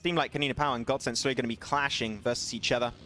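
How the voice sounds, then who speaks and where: A man casting an esports match alone, excitable and chatty, laughing and bantering with his stream chat between calls. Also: mid-range voice, racing, faint music behind. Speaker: esports caster. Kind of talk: solo esports play-by-play commentary.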